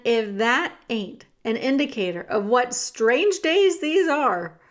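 A woman voicing a rough-spoken but soft-hearted kitchen cook who talks in a folksy dialect, coaxing and emphatic. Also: a little high, expressive, slow. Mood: musing.

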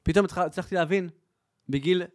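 A young man chatting as a podcast guest, telling lively stories and laughing often. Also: high voice. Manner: lively storyteller, laughs often, switches into Spanish phrases. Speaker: podcast guest, content creator. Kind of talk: casual chat.

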